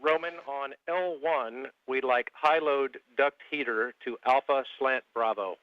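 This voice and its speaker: A man at mission control giving calm, clipped calls over a muffled space radio link that breaks up. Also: medium pitch, a little slow, no echo. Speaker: mission control capsule communicator. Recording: dull lo-fi radio with hiss.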